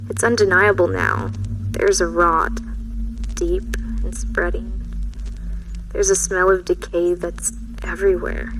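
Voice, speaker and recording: A woman playing a haunted train passenger in an audio drama, recounting her dread in a measured, brooding, literary way with lingering pauses. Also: on the low side, background noise. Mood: somber, haunted. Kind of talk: scripted audio drama monologue. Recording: music behind the voice.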